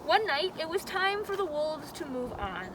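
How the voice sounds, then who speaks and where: A woman reading a children's story and teaching as a zoo educator, with an expressive, dramatic delivery. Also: normal speed. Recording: outdoor background noise, faint vehicle rumble.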